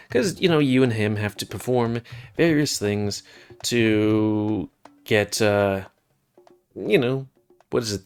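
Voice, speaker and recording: A man's voice: lowish voice, clear, resonant tone. A man casually chatting about games he plays, rambling and often interrupting himself. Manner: rambling and self-interrupting, with fillers. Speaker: gaming video host. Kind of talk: casual game review over gameplay.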